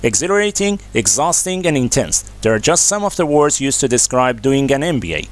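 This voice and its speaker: A man's voice: mid-range voice, sing-song, fairly quick. A man reading short practice passages aloud for an English speaking test. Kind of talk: scripted read-aloud of exam practice passages.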